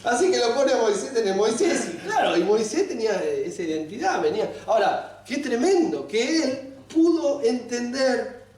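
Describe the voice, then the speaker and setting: A man with a Rioplatense Spanish accent, preaching a sermon at a men's conference in a lively, joking storytelling way, acting out the voices of the people in his stories. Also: extremely high pitch, normal speed. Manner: animated, jokey storytelling, acts out voices. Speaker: pastor. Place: large hall at a men's conference. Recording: echoey hall, voice from far off.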